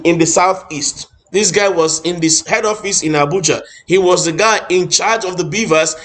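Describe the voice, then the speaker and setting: A middle-aged man with a Nigerian English accent delivers fired-up political commentary in a high voice. He hammers points with repetition and often stumbles and restarts mid-phrase. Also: fairly bright tone.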